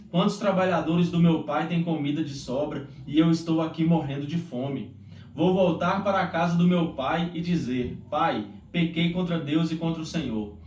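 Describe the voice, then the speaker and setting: A man's voice: on the high side, moderate pace, darkish tone. A Brazilian man speaking earnestly and devoutly, hosting a devotional of prayer and scripture reading aloud. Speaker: Bible reading host. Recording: roomy echo, distant mic, faint noise.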